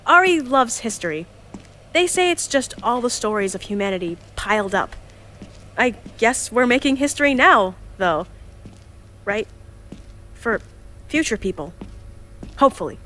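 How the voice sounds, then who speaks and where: A woman's voice: a little high, very animated, measured pace, pauses often, sharp tone, a little hiss or hum, exaggerated voice. An actress playing Jules, a cheerful, chatty young woman who organizes a time capsule team. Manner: bubbly, chatty, flustered. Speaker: narrator of time capsule recordings.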